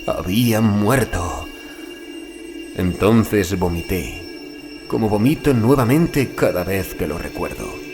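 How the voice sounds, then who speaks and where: Deep-voiced man acting as a shaken horror-story narrator. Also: expressive. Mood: sickened. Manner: grave, literary, deliberate phrasing. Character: shaken male witness recounting a grim execution. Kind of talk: dramatic horror audiobook narration. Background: music behind the voice.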